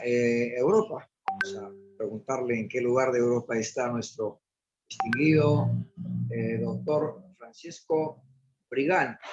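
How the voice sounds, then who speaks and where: A man's voice: medium pitch, dull audio, slight background noise. A male host introducing and interviewing a guest in a formal, courteous way, with some fillers. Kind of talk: broadcast interview hosting.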